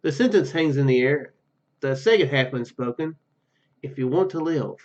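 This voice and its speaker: A man's voice: a little high, animated, normal speed, dull audio. A man hosting a gaming video, reading game text aloud and commenting as he plays.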